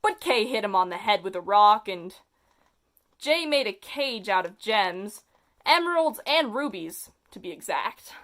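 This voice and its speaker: Young adult with a feminine voice, reads their old kid story aloud and roasts it, animated and dramatic. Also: female voice, medium pitch, measured pace. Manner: animated, self-mocking, exaggerated outbursts. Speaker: vlogger reading their childhood story. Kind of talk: comedic reading and commentary.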